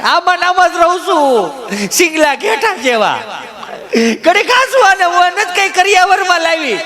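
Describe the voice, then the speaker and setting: A man's voice: very high-pitched, lively intonation, normal speed, pushed and bright, pitched above the performer's own voice, exaggerated voice. A man voicing a whiny, doting middle-aged village wife, drawing out her words in a wheedling sing-song. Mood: complaining. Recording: live stage audio with audience.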